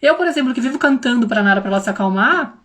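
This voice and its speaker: A young woman with a high, bright-toned voice gives a casual livestream talk as a parenting mentor. Her São slips in often, and she talks straight to her viewers with lively, animated delivery. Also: very fast. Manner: animated, addresses viewers directly, acts out quoted voices.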